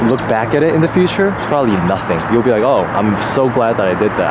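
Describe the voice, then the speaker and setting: A man speaks with noticeable background noise. The room has an audible echo. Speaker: vlogger. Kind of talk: motivational vlog monologue. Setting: outdoors.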